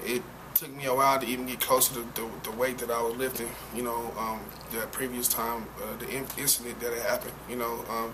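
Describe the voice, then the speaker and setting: A young man being interviewed as a football player, answering in a halting way with many fillers and restarts. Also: medium pitch. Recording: noisy background.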